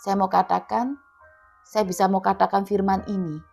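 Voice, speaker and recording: A woman preaches a sermon with emphatic, repetitive phrasing. Her voice sits at a middle pitch. Faint music plays quietly behind her. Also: little pitch movement, normal speed, creaky. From Indonesia. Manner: emphatic, repeats key words, acts out quoted dialogue. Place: online prayer meeting, remote.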